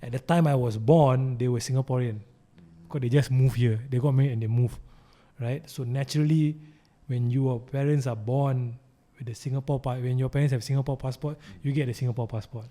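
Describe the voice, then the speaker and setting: A middle-aged Malaysian man talking casually as a rapper guest on a podcast, animated and quick to laugh. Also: medium pitch. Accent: Malaysian English.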